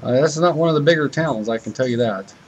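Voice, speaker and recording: A man's voice: on the high side, quick pace, poor audio. A man from Texas with an American accent, interviewing in a casual chat as podcast host. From Texas, United States.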